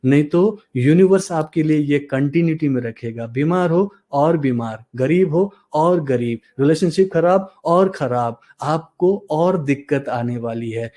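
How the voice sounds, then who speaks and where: A man's voice: a little high, expressive, a little slow, hardly any pauses, warm tone. A man giving a live motivational coaching session, acting out example feelings and mixing in English phrases.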